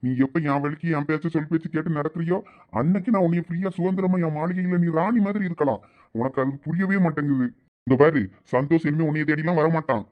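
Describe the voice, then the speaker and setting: A man's voice: on the high side, quick pace, lo-fi sound, natural voice. A man voicing a scheming male villain in a cartoon, gloating and menacing, with a Thoothukudi Tamil accent. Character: scheming male villain holding a woman captive.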